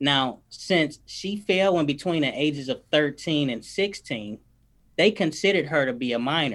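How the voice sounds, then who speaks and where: A man speaks at a moderate pace in a plain, everyday voice, his fairly high pitch carried by lively intonation. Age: 30s. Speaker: criminal justice activist and author. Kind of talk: interview.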